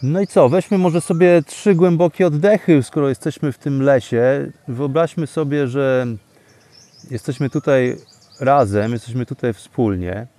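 A man leads a guided breathing meditation in a dark, relaxed voice at an average male pitch. He speaks deliberately and soothingly, leaving pauses between phrases. He is outdoors in a forest, with birdsong around him. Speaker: podcast host and meditation guide. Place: outdoors, sitting in a forest among bamboo. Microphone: microphone exposed to wind.

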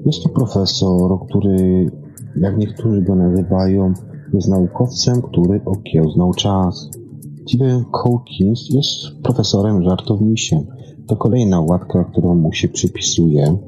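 A man with a low, mellow voice presents a science programme from a script. He reads haltingly and trips over words now and then. The recording is dull and lo-fi, with music playing behind him. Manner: halting reading with stumbles and repeated words. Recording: dull lo-fi sound.

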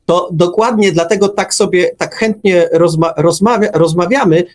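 A man's voice: high voice, moderate pace. A man hosting a radio talk show, speaking thoughtfully with frequent hesitations. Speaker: radio host.

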